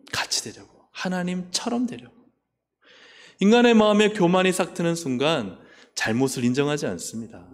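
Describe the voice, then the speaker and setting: Lively Korean pastor in an echoey hall. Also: male voice, high voice. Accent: Busan. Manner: asks the congregation questions and acts out voices of Bible figures. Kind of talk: sermon. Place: church sanctuary.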